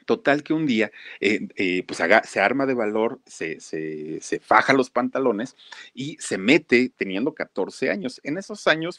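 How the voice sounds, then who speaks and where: A man tells a story in a relaxed, folksy manner. He keeps turning to his listeners as he goes. The sound is dry and close, with no room echo. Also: on the low side. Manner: folksy, addresses listeners directly. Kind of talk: casual spoken storytelling.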